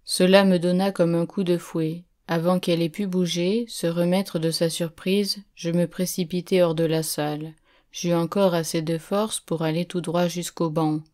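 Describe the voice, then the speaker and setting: A woman reading a literary audiobook in a steady, measured first-person narration. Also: fairly low pitch.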